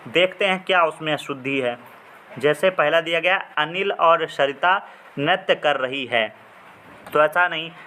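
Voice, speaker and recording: Male teacher, fairly high bright voice, reads questions and stretches out key words. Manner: reads questions then explains, drawing out words to spell them. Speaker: exam prep teacher. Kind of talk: explaining Hindi practice questions.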